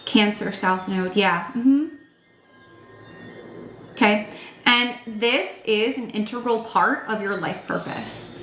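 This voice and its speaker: The echoey room and a bit of hiss or hum surround this thirtysomething tarot reader's mid-range, fairly bright voice. She talks slowly and pauses often, speaking frankly with swearing and plenty of "like" and "um," her voice tired and starting to crack.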